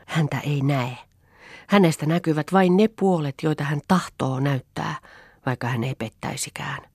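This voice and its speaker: A woman's voice: low voice, a little mellow, slightly rough, no room sound, clean studio sound. A woman reading the part of a proud, headstrong young woman who speaks in a challenging, mocking way. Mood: defiant.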